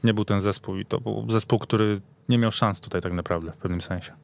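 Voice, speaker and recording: A man's voice: lowish voice, fairly even intonation, a little fast, creaky. A man speaking as a football pundit in a casual discussion, opinionated and emphatic.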